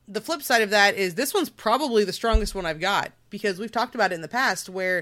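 This woman has an ordinary speaking voice at a medium pitch, with an American accent. She talks at a fairly quick pace with ordinary pitch variation. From Texas. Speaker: podcast host. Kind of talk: casual chat.

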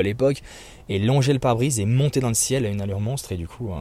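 Talking at a very fast pace, a man with a medium pitch and a dark, mellow tone keeps his intonation fairly even. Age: 20s. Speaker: childhood friend of host. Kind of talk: casual chat. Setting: outdoors in mountains.

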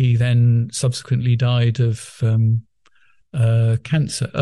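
A man talks at a very slow pace with a medium pitch. His tone is dark, mellow and somewhat breathy. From England. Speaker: marital therapist. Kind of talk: casual interview chat.

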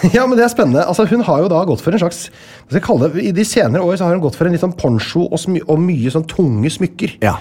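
Over noticeable background noise, a man speaks at a very fast pace and a high pitch, with very wide pitch swings and very even loudness. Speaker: podcast co-host. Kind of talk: casual chat.

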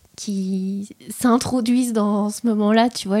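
Her intonation is monotone and flat. This woman has a medium pitch and a dark, mellow tone. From Paris, France. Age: 30s. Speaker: podcast co-host. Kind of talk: casual chat.

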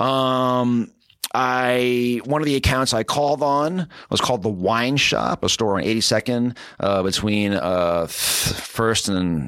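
A man with a New York accent, very even in loudness, amid noticeable background noise. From New York City, Upper East Side. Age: 40s. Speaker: wine importer. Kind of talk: casual chat.

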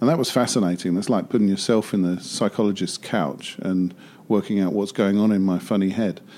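A man with a British accent, fairly low in pitch, dark and mellow in tone, with fairly even intonation. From Britain. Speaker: entrepreneur, company CEO. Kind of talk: interview conversation.

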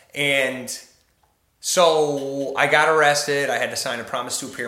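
A man speaks in a fairly high pitch. His tone is confident. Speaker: store manager. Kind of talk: casual interview conversation with profanity. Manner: loud, big personality, confident.

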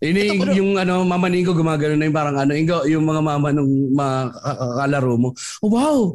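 Here is a man with a normal speaking voice and a fairly high pitch. His loudness stays very even throughout. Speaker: stand-up comedian and podcast host. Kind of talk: casual chat.

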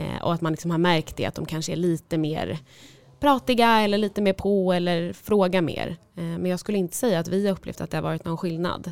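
With an unremarkable speaking voice, a woman talks at a fairly quick pace, her fairly low pitch showing ordinary variation. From Sweden, Stockholm. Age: 20s. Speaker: handball referee. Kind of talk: casual chat.

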